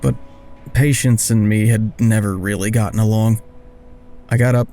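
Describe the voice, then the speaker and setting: A man tells a scripted first-person story with a low, gravelly and soft-edged voice. His delivery is wry and confessional, like someone owning up to his own misadventure. Faint music sits behind him. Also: steady tone, moderate pace. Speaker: first-person narrator of an audio drama.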